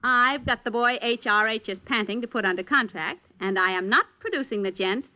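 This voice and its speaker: A woman's voice: fairly high pitch, fairly quick, sharp tone, poor audio. An actress playing a scheming, glamorous female film star in a 1950s radio drama, sultry and condescending.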